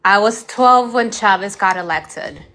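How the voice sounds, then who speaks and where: A woman's voice: mid-range voice, a little slow, sharp tone, faint music behind. A woman in her thirties from Venezuela, calling in to a livestream and talking emotionally with many fillers. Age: 30s. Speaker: caller. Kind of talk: casual call-in chat.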